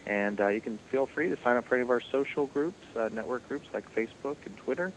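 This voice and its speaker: A man's voice: mid-range voice, animated, fast, a little hiss or hum, low-quality recording. A man, a guest on a Christian radio show, talking in a friendly way and laughing easily. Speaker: ministry guest. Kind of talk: radio interview conversation.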